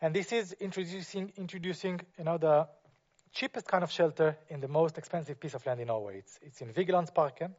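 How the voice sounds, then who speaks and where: A man with a slightly high voice talks through his architecture work in non-native English, pausing often on fillers and restarting his sentences. The sound is muffled, as if from a lo-fi recording of a lecture. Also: a little mellow. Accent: non-native English speaker. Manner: hesitant, many fillers and restarts. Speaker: architect giving a talk. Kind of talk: presentation to an audience.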